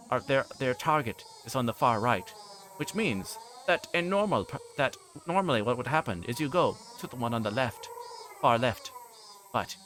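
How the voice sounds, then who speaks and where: A man with a mid-pitched voice commentates casually on a livestream. He talks in a halting, repetitive way, as if explaining things to his viewers off the cuff. Faint noise and ambience sit behind his voice. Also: a bit bright. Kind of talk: casual livestream commentary on a visual novel, reading aloud and explaining.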